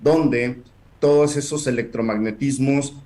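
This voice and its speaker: Man giving measured explanations. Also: medium pitch, steady tone, mellow. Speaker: guest. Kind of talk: casual online debate.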